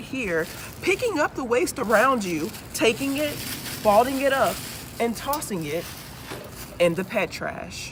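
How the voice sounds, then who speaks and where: A woman's fairly high voice with lively intonation at a fairly slow pace, over noticeable background noise. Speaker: news reporter. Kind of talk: broadcast news reporter delivery.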